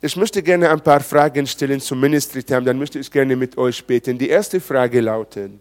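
A man's voice: mid-range voice, moderate pace, darkish tone. A man preaching in church in a conversational way, asking the congregation questions. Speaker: pastor. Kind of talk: sermon. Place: church service.

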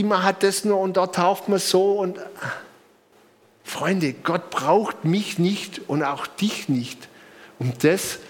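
A middle-aged man with a southern German accent preaching informally, with conversational anecdotes and emphatic repetition. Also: high-pitched. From Bamberg, Germany. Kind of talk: sermon with personal anecdotes.

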